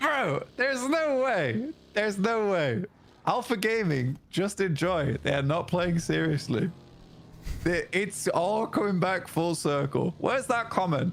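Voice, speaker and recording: A woman with a British accent keeps her loudness very even while her pitch swings very widely. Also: fairly slow pace. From Britain. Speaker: esports co-caster. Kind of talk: casual esports watchparty commentary. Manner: animated.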